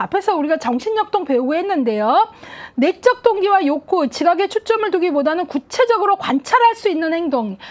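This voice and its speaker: A woman with an extremely high pitch speaks at a moderate pace, her pitch swinging very widely. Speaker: exam prep lecturer. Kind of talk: lecture.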